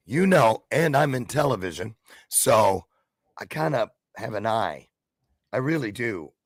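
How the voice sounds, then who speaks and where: A man hosting a live online show, talking in a playful, upbeat way. His voice is mid-pitched and sounds dry and close, with no room around it. He jokes and keeps the chat moving like a showman. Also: big pitch swings, a little slow, no room sound. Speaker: talk show host.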